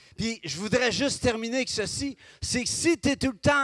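Extremely high for a man, his bright, sharp voice has an animated tone, heard on a very clean recording with a silent background. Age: 50s. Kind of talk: sermon.

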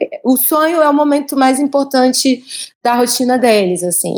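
Against a silent background in a very clean recording, a woman speaks at a fairly slow pace with a high pitch. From Brazil, Goiânia (Goiás). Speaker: filmmaker. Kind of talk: interview.

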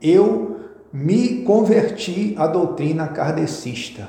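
A man speaks very slowly with lively intonation, amid audible room echo and noticeable background noise. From Belém, Pará, Brazil. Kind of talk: personal testimony interview.

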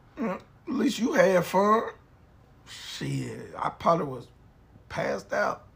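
A man speaks at a very slow pace, leaving long, frequent pauses. Noticeable background noise runs underneath. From US, local neighborhood on 23rd. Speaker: podcast co-host. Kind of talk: casual chat.

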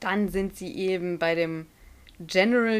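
In an unremarkable speaking voice, a woman talks at medium pitch with ordinary pitch variation. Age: 20s. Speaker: podcast co-host. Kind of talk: casual chat.

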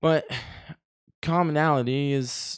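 A man with an American accent speaks at a fairly high pitch with ordinary pitch variation. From Texas, El Paso. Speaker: podcast host. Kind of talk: casual monologue. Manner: halting, many fillers.

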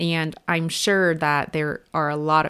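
Speaking in a flat monotone with a Canadian accent, a woman has a very deep, low pitch and a bright, sharp tone, recorded very cleanly against a silent background. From Vancouver, Canada. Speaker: podcast host and fitness coach for equestrians. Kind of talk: solo podcast monologue.

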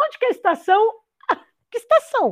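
A woman's voice swings very widely in pitch at a moderate pace, with a dry, close sound and no echo. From Brazil, São Paulo coast (Santos, Praia Grande). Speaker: construction site inspector and bicycle traveller. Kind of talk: casual chat. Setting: remote call during lunch break at a building site.

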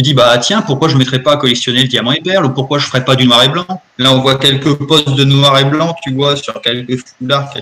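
A man with a plain, everyday voice speaks fairly quickly at a fairly high pitch, keeping his intonation fairly even. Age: 30s. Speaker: card collector, podcast co-host. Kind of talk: casual chat.

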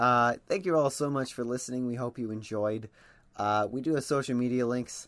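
A man has an unremarkable speaking voice with medium pitch and fairly even intonation. He keeps a moderate pace in a very clean recording with a silent background. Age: 20s. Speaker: podcast co-host. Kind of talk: casual chat. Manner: laughs often.

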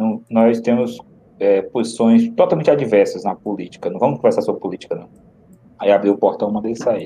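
A man with a northeastern Brazilian accent speaks at a fairly quick pace. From Northeast Brazil. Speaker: live stream guest. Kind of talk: casual chat. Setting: hotel room on video call.

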